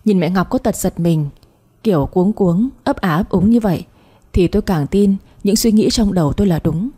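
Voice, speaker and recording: A woman tells a first-person story in a steady, plain way. Her voice is husky and mellow, at a middle pitch. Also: moderate pace.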